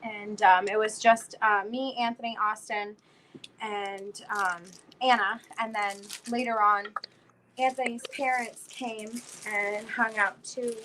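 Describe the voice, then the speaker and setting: A woman's voice: mid-range voice, steady tone, slow pace, a bit bright, slight background noise, poor audio. A woman in her twenties hosting a casual livestream chat, rambling with lots of fillers, her voice worn out and nearly gone. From South Florida. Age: 20s. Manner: chatty, rambling with many fillers. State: lost her voice. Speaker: livestream host.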